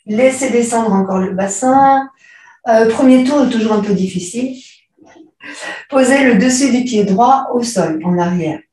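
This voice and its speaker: A woman yoga teacher guiding a class through postures, calmly cueing breath and movement step by step. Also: on the high side, measured pace, distant mic. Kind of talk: guided yoga class instruction. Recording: echoey room, voice from afar.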